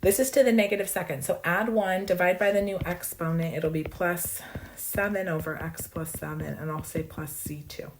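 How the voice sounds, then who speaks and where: Hoarse lady prof racing through calc problems, lowish voice, noisy clicky recording. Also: fairly even intonation. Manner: brisk and bubbly, playful asides. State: losing her voice, hoarse. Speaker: math professor. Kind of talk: fast exam walkthrough.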